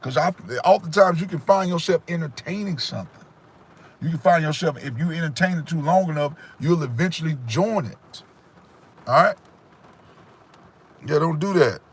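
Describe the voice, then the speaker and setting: A man hosts a casual motivational livestream, giving emphatic, preachy life advice straight to viewers through a phone or webcam in front of him. His husky voice is on the high side, at a moderate pace with long pauses.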